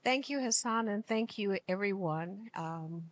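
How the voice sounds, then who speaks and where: A woman from Liberia giving an earnest, emphatic speech at an event, speaking slowly. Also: mid-range voice. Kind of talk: formal public speech. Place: conference room.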